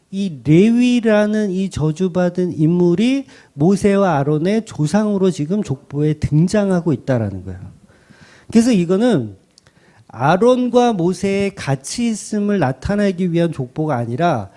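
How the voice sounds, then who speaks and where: Lively, mellow-voiced male pastor. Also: sits high. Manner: conversational preaching with many restarts and repeated "그러니까". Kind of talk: sermon.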